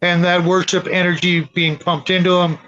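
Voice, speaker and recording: A man in casual conversation about tabletop games, rambling and halting as he repeats his words. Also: high-pitched, flat delivery, bright, forceful tone, muffled recording. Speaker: panelist on a role-playing show.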